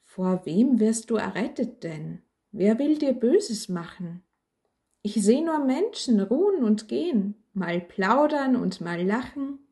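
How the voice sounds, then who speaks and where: A woman's voice: sing-song, slow pace, warm tone, full character voice. A woman voicing a little plaintive candle. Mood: naive. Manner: high, plaintive, indignant rhyming speech. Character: small, humble candle, proud and dreamy.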